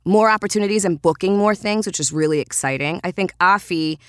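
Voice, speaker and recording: A woman's voice: on the low side, a little fast, dry recording, studio quality. A woman voice-over artist from Trinidad, speaking earnestly in a casual podcast interview and restarting her sentences as she works through ideas.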